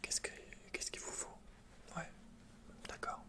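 A young man whispers in a breathy, halting murmur, playing a salesman in an ASMR roleplay. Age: young adult. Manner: hesitant, halting, softly murmured. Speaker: ASMR performer playing a computer shop salesman. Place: indoors, quiet room with dark backdrop.

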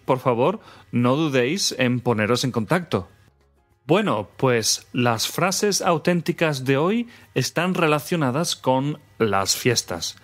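Spanish-accented man hosting a podcast language segment, unhurried and clear; faint music bed. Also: medium pitch. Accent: Spain Spanish. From Spain. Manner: clear, measured delivery with phrase repetition. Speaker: co-host teaching Spanish phrases. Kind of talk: scripted podcast lesson segment.

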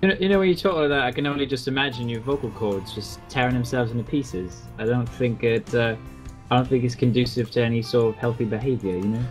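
A man co-commentating a strategy game in a relaxed, casual style, often pausing and hedging as he talks. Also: mid-range voice, soft background music. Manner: relaxed, hesitant, many fillers. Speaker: esports commentator.

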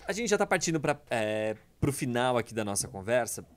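A man's voice: mid-range voice, sing-song, a little fast, a crowd in the background. A man from Brazil hosting a podcast, chatting with enthusiastic interjections. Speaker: podcast host. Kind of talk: casual interview chat.

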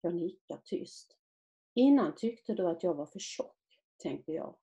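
Author reading her own prose, measured and quiet, with a gravelly low female voice. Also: lively intonation.

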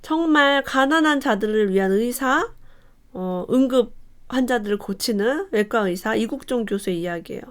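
A woman with a fairly high voice hosts a casual book review aimed at parents. She reads passages aloud and acts out the lines in an animated way, her pitch rising and dropping as she goes.

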